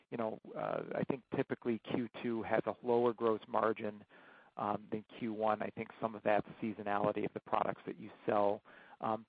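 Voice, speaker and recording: A man working as a financial analyst, asking questions haltingly on an earnings call over the phone. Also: fairly low pitch, no echo. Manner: halting, hedging, piecing questions together. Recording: thin, band-limited phone line, dry.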